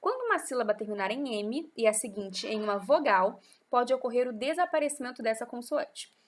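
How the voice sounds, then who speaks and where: A Brazilian Portuguese-accented woman teaches a lesson in a slightly high voice. She explains step by step and keeps checking that her students are following. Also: lively intonation, brisk. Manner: patient and explanatory, with frequent check-in tags. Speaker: literature teacher. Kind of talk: online class lecture.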